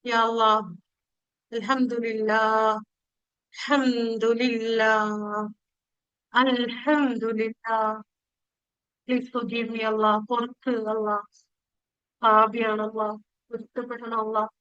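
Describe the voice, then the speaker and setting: Female guide for prayerful meditation: high, clear, smooth voice, pleading and devotional. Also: little pitch movement, a bit bright, dry recording, highs cut off. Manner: slow, pleading, devotional delivery with drawn-out phrases and pauses.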